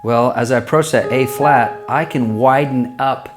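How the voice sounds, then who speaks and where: A man giving a vocal lesson, explaining technique step by step and breaking off now and then for short sung demonstrations. His voice sits at an ordinary middle pitch for a man. Soft music plays faintly behind him. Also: unhurried. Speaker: vocal coach. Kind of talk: instructional vocal tips.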